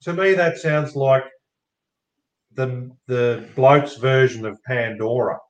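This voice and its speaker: A man in loud, matey banter with friends, sweary and emphatic in a blokey, joking way. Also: medium pitch, takes it slowly, roomy sound, lo-fi sound.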